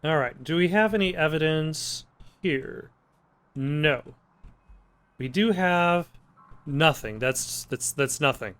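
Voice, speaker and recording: A man's voice: a little high, slow, pauses often, fairly bright tone, smooth. A man hosting a let's play with casual gameplay commentary, musing aloud and joking dryly.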